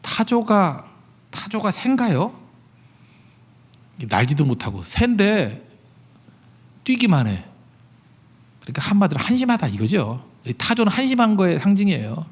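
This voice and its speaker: A middle-aged male pastor delivers a sermon with a slightly raised, husky voice. He talks in a loose, conversational way, dropping low for asides and climbing to loud, emphatic peaks. Rhetorical questions come one after another. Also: very animated, a little slow, pauses often.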